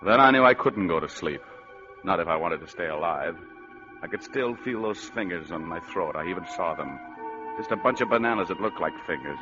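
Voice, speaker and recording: A man narrating and playing a hard-boiled detective in 1940s radio style, wisecracking and tough. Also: low-pitched. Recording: dull old radio recording, long reverb, faint music.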